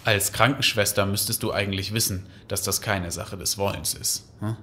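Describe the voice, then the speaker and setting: An actor playing a tired, caring boyfriend in a German radio play. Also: male voice, lowish voice, steady tone, normal speed, sharp tone, slight background noise. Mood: concerned.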